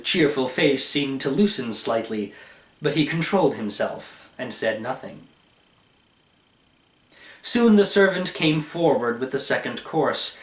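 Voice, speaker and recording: A man reading a short story aloud as narrator, in an expressive scripted style. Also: mid-range voice. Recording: echoey room.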